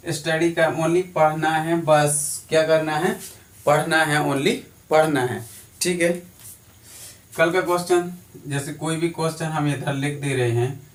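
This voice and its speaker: A male teacher giving a classroom lecture, drilling students with repetitive question-and-answer. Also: on the high side. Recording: echoey room from a distance.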